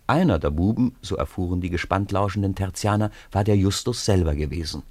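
A low-pitched man tells a children's story in a radio play. His delivery is measured and conversational, recorded very dry, as if speaking straight to his young listeners. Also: a little mellow, no echo. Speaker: storyteller narrator.

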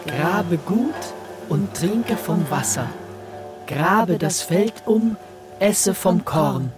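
Earnest disciple in poetic radio play: raised pitch, deliberate, declamatory, faint music behind. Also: male voice, animated, exaggerated voice. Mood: declaiming. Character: earnest male disciple reciting ancient Chinese verse. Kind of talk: poetic radio drama recitation.

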